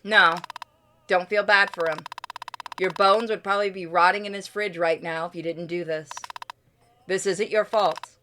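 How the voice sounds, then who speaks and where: A woman's voice: on the low side, steady tone, moderate pace, bright, forceful tone, slight background noise. A woman streaming a game, reading its story aloud as dramatic narration.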